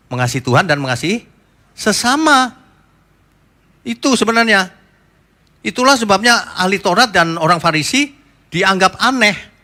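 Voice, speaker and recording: A middle-aged man preaching a sermon as pastor, animated and joking, acting out the people he quotes. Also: a little high.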